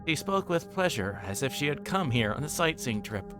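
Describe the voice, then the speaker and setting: A man's voice: a little high, sing-song, moderate pace. A man livestreaming a visual novel, reading the story aloud dramatically and chatting casually in between. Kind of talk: reading game text aloud with casual stream chat. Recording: game music playing behind the voice. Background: game music.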